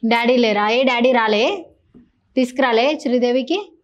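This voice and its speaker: A woman's voice: fairly high pitch, measured pace, dull audio. A woman interviewing children in a casual, teasing and chatty way, holding a handheld mic. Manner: playful, teasing, chatty with kids.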